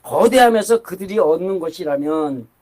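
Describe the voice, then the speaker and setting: An older man delivering a sermon with a rather high-pitched voice. He talks in a loose, conversational way, wandering into asides and starting his sentences over. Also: expressive, normal speed, dark tone. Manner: conversational, rambling with asides and restarts. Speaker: pastor.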